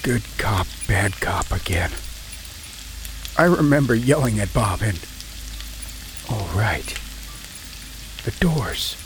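A man's voice: lowish voice, very animated, slow pace, pauses often, slight background noise. A man playing a volatile, out-of-work, drinking husband who swings between rage and pleading, and also narrates the story in the first person. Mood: reflective.

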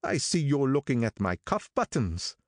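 High, strange-toned old gangster, slow and brooding, self-important, audiobook. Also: male voice, big pitch swings, no room sound, studio quality. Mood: self-satisfied. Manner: slow, brooding, drawn-out delivery. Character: older male gangster, gloomy, sentimental, self-important.

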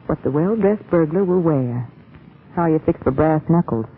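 A woman's voice: low-pitched, expressive, normal speed, slight background noise. An actress playing a pert, witty young woman, a sleuth's sidekick in an old-time radio drama, arch and inquisitive on a tinny old recording. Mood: dry, teasing.

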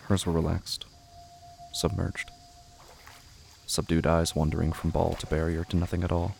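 A man reading scripted, literary narration for a horror audio drama in a measured, brooding way. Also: deep voice, level tone, gravelly, a little mellow, a little hiss or hum.

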